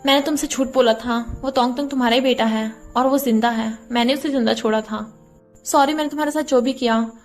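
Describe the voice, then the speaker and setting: Woman reading a bitter young cousin, high voice, faint music behind. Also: fairly even intonation, brisk, lightly acted.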